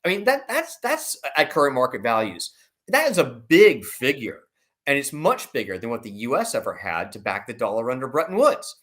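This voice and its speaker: A man's voice: mid-range voice, huge pitch swings, moderate pace, a bit bright. A man speaking as an analyst guest, explaining things emphatically in conversational commentary and posing rhetorical questions.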